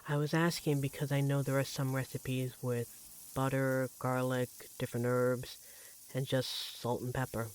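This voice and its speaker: Casting: performer as a loving, playful vampire partner, mid-pitched, conversational ASMR roleplay, frying noise behind. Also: flat delivery, normal speed, lightly acted, poor audio. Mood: casual, teasing. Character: affectionate teasing vampire partner working as a barista. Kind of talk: ASMR audio roleplay, one-sided domestic dialogue. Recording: clear background noise, sizzling frying pan.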